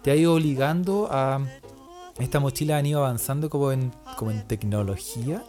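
A man's voice: mid-range voice, fairly quick, dark tone, faint music behind. A man from Chile with a Chilean accent, telling stories in a casual chat as a podcast co-host, full of slang and swearing and comically exasperated exaggeration.

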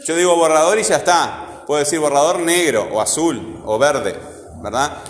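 A man's voice: on the high side, normal speed. A man teaching a grammar lesson, asking his students questions and often answering them himself. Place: classroom. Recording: echoey room with long reverb, faint ambience.

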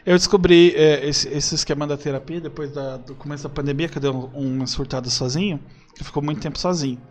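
A young Brazilian man chatting as a podcast guest, animated and acting out bits of dialogue. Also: on the high side, fast talker. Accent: Brazilian Portuguese. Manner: animated, acts out quoted dialogue. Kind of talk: casual chat.

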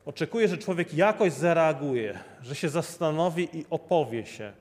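A man's voice: a little high, lively intonation, moderate pace. A man preaching a sermon, earnestly repeating rhetorical questions to his listeners. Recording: long hall reverb.

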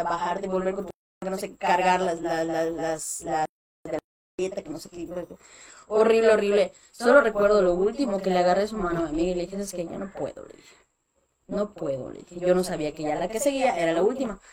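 A young woman with a Mexican accent tells personal stories in an easy, animated way, leaning on fillers between thoughts. Her voice sits on the lower side for a woman. The sound of a crowd murmurs clearly in the background. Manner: chatty, animated, many fillers like "este". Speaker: guest. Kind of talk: casual storytelling chat.

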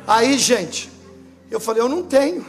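A man's voice: extremely high pitch, unhurried, faint music behind. A Brazilian man preaching a sermon as pastor, telling funny stories and acting out the dialogue. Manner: lively humorous storytelling, acting out dialogue. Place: church service.

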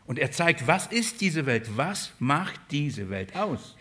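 A man's voice: a little high, sing-song, slow pace, pushed and bright. A man preaching a Bible-study sermon, putting questions to his listeners and answering them himself.

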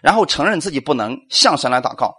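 A man preaches a sermon in a high voice that swoops up and down with lively energy. He fires rhetorical questions at the congregation, acts out little quotes and keeps calling for amens. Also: fast talker, husky. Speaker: pastor.

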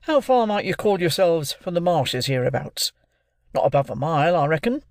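A bluff army sergeant from an old storybook, brisk and commanding, then hearty over a glass, as a male narrator puts him on. The voice sits a touch high and loud, in a dry, close recording. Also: big pitch swings, no echo.

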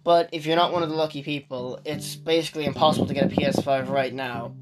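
A man's voice: fairly high pitch, steady tone, quick pace, loud music behind the voice. A young man from Ireland with an Irish accent, co-hosting a casual podcast and rambling with many restarts, recorded on a phone. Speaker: podcast co-host. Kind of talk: casual chat. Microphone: phone on the table.

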